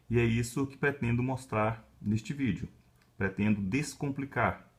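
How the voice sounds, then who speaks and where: A male university professor from Brazil with a Brazilian Portuguese accent, explaining a lesson in a calm, measured way and often checking in with little tags. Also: mid-range voice, gravelly. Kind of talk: explanatory lecture.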